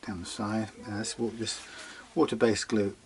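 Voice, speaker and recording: A man talking casually through a guitar setup in his workshop, rambling and chatty, muttering quietly as he works. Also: fairly low pitch, little pitch movement, normal speed, heavy background noise. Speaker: guitar repair demonstrator. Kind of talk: casual workshop how-to talk.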